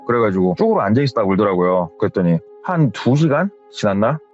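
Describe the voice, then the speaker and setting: A man's voice: lowish voice, quick pace. A man hosting a horror story channel, retelling a listener's account in a conversational storytelling manner. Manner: retelling with hearsay, lively delivery. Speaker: horror story radio host. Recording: slightly dull with faint music.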